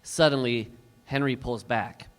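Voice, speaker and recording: A man with a middle-pitched voice reads out stage directions like a narrator. He also chats casually and comically as the writer of the piece. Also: steady tone, measured pace. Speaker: writer of the monologue, actor.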